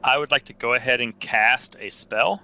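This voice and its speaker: A man's voice: mid-range voice, normal speed, sharp tone. A man chatting casually as a player at a tabletop role-playing game.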